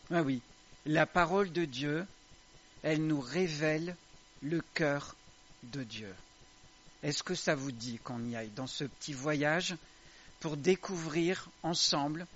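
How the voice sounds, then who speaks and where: A man's voice: on the high side, fairly bright tone. Chatty preacher man, muffled recording. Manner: conversational, confiding, addresses the congregation directly. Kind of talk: informal church sermon.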